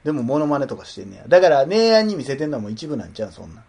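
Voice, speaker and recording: Kansai man, podcast co-host, husky and animated, teasing banter. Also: mid-range voice, very fast. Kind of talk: casual chat.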